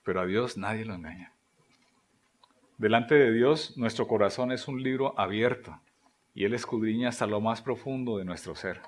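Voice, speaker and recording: Man preaching, swinging loud and soft. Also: on the low side, moderate pace. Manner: preaching with rhetorical questions and quoted prayers, swinging loud and soft. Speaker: pastor. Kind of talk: sermon.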